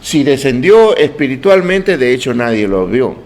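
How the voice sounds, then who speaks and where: A man's voice: mid-range voice, very animated, a little mellow. A man preaching a sermon, teaching in a didactic way and quizzing his listeners with questions. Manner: slow, deliberate emphasis on words.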